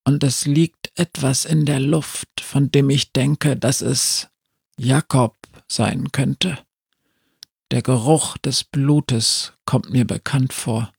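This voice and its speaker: A man voicing a proud, wary creature of the caves in a measured, guarded way. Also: mid-range voice, fairly even intonation, creaky, a little mellow, slightly rough, no echo, studio quality, exaggerated voice. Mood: hushed.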